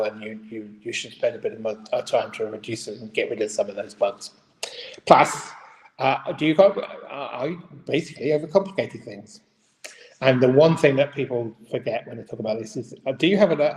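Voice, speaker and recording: A man's voice: mid-range voice, a little mellow. A man hosting a live video for small-business owners, thinking aloud and restarting his sentences often, heard through a big echoey hall reverb. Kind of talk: unscripted live talk to viewers. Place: large echoey room.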